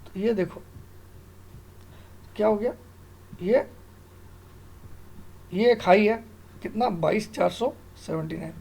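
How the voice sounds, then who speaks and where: Creaky-voiced man teaching. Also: high voice, slow pace, long pauses, darkish tone, rough recording. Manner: repeatedly questions and checks with the listener. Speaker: stock market analyst and online tutor. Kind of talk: informal screen-tutorial explanation of trading charts.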